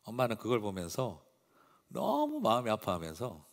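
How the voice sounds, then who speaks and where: Male pastor, lively preaching voice, punchy then hushed, sermon in a reverberant church hall. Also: lowish voice, moderate pace, vocal fry. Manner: emphatic and expressive, swinging between loud and hushed. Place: church sanctuary. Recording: long reverb of a large hall.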